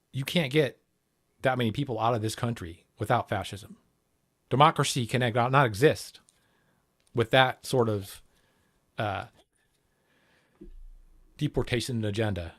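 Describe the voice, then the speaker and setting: A man hosting a political livestream, talking back to his chat. His delivery rambles and argues, with restarts and the odd curse. His voice sits at an ordinary middle pitch. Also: moderate pace, long pauses, fairly bright tone. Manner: argumentative, rambling, swears. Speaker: livestream host. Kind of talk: casual political livestream commentary.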